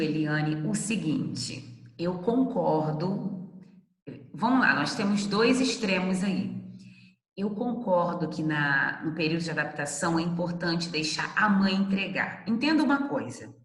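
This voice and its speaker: A woman's voice: lowish voice, a bit bright, roomy sound, long reverb tail, low-quality recording. A woman lecturer giving a conversational class, addressing students by name and asking them questions. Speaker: university lecturer.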